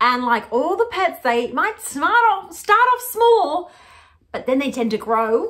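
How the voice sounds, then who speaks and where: With a strong Australian accent, a woman speaks at a very slow pace in a bright, sharp tone full of very wide pitch swings. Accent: broad Australian. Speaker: children's book reader. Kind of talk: reading aloud.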